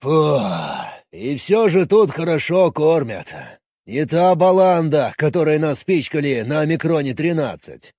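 A man voicing a big, bluff, good-natured Russian engineer who talks loud and teases, in a husky voice. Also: a little high, expressive, measured pace, no echo, clean studio sound, voice pushed up. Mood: hearty. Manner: loud jovial teasing.

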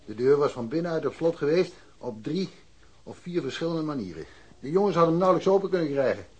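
An actor playing a blunt, dismissive police detective in a radio drama, offhand and colloquial. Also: male voice, on the high side, lively intonation, fast, husky. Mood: self-assured. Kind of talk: Dutch radio drama acting.

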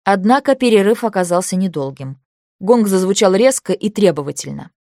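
A woman reading an audiobook in an even, measured storytelling manner. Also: medium pitch, dry recording, studio quality. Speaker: audiobook narrator. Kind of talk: scripted narration.

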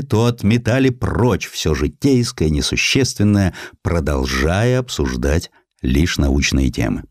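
A male narrator with a low voice tells a historical tale. His delivery is measured and theatrical, with lively rises and falls in pitch. The recording is dry and close. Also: dry recording. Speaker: audiobook narrator. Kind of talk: dramatic scripted narration of historical essay.

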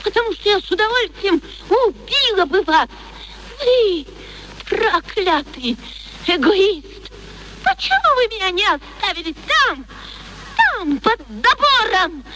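High-pitched, wounded, furious young woman. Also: sing-song, slow, sharp tone, a little hiss or hum, full character voice, rough recording. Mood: furious, bitter. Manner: impassioned, theatrical, exclamatory. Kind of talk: classic Russian radio play acting.

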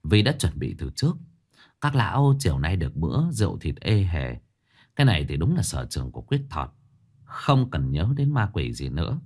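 A man narrating a ghost story, voicing the characters with lively delivery. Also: low voice, moderate pace. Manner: lively, animated telling with voiced dialogue.

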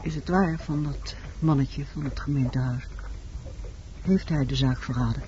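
A woman's voice: a bass voice, normal speed, mellow. A muffled old radio play recording with some background noise carries a haunted woman. She is insistent and pleading, brooding over the night with dramatic intensity. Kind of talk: Dutch radio play acting.

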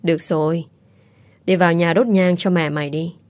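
A woman voicing a fussy, loud old neighbor woman who scolds and dotes in the same breath, within an audiobook story. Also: fairly low pitch, fairly even intonation, normal speed, no room sound, close to an everyday voice. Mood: bossy, bustling. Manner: scolding yet affectionate, bossy.

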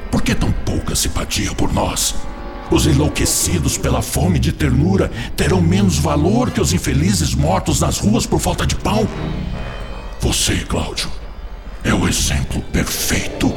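A man's voice: medium pitch, creaky. An actor playing a cunning male spirit who seduces and tempts, whispering and then pressing hard. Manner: persuasive, insinuating, swings between whispers and rising urgency. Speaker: voice actor in radio drama. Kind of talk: radio drama acting. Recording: radio drama with music bed.

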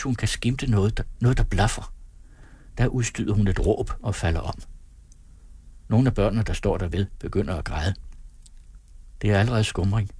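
A man reading a novel aloud as an audiobook narrator, calm and measured in his storytelling. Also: lowish voice, breathy edge, no echo. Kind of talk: scripted narration.

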